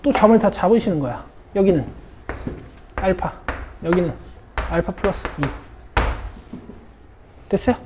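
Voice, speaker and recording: A woman's voice: lowish voice, lively intonation, unhurried, pauses often, noisy background. A woman math teacher leading a classroom lesson, who keeps checking in with her students as she works through a problem. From South Korea. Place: academy classroom.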